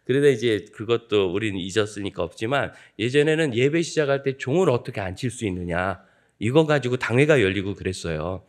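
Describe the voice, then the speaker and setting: A man in his fifties, a guest pastor preaching at a dawn church service, telling joking stories from his childhood in a lively way. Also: fairly low pitch, a little fast. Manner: lively, joking anecdotal storytelling. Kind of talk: sermon with humorous storytelling.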